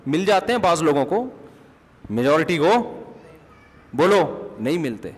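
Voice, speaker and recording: A man giving a Friday sermon in a conversational, emphatic preaching manner, with lively asides to the congregation. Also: fairly high pitch, husky, in a large hall.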